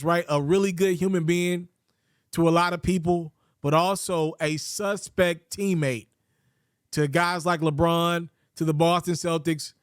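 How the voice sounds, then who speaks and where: A man giving casual, opinionated basketball commentary, his voice a little raspy after just having his wisdom teeth pulled. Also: on the high side, no echo, studio quality. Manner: quick, opinionated, conversational. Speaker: sports commentator.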